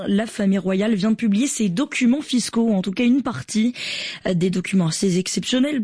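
A woman presenting a radio news bulletin from a studio, reading in a measured way with the odd filler. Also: medium pitch, a little mellow, dry recording. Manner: measured newsreading with occasional fillers.

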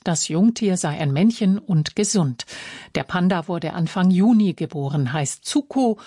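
Low, mellow female newsreader. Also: slightly rough, no echo, studio quality. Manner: measured, even, formal delivery. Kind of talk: radio news reading. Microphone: studio microphone.

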